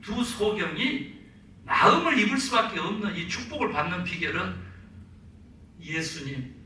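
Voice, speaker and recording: A Korean man preaches a lively sermon, acting out quotes and drawing amens from the congregation. His voice sits high and swings widely in pitch. It rings through a very echoey church, picked up from a distance. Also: fairly quick, slight background noise. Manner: animated, acts out quotes and calls for amens. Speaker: pastor. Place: church sanctuary.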